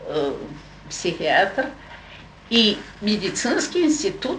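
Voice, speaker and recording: Noticeable background noise surrounds a woman who talks very slowly. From Warsaw, Poland, raised in Belarus. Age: 70s. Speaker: memoirist interviewee, elderly witness of revolution. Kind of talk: casual interview, oral history recollection. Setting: at home, portable tape recorder.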